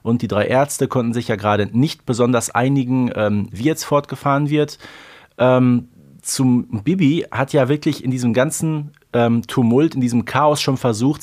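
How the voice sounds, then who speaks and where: Man, podcast co-host, rambling, filler-heavy, nitpicky, mid pitch. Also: darkish tone. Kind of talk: casual episode discussion.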